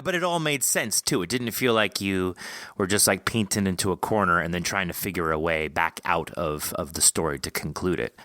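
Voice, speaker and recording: A man's voice: low voice, pushed and bright, no room sound, studio quality. A man hosting a podcast, chatting casually with a guest in an enthusiastic, informal way. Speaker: podcast host interviewing an author. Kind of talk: casual interview chat.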